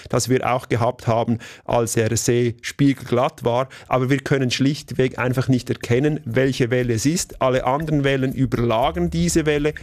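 A man's voice: mid-range voice, dry recording, studio quality. A man explaining things as an expert in an interview.

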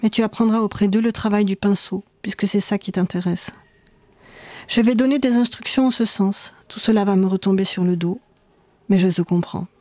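A man's voice: sits high, steady tone, moderate pace, a little mellow, no echo, close to an everyday voice. A woman voicing a weary male school director who lectures and reasons patiently in a read-aloud memoir. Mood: conceding.

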